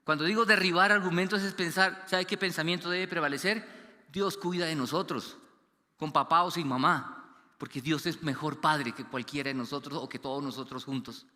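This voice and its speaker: A high, bright-toned man preaches a lively sermon. He acts out the voices he quotes and sinks low and soft for solemn moments. His voice rings with the long reverb of a church hall. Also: moderate pace. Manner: animated, acts out quoted voices, drops low for serious stories. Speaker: pastor.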